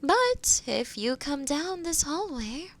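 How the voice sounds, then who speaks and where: A gentle, solitary witch of the woods voiced by a woman talks to the listener in a fantasy audio roleplay. Her voice is fairly high and soft, with a breathy edge and plenty of creak. She takes her time, choosing formal, old-fashioned words with curious, thoughtful courtesy. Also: very animated, takes it slowly, heavily acted. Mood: warm, welcoming.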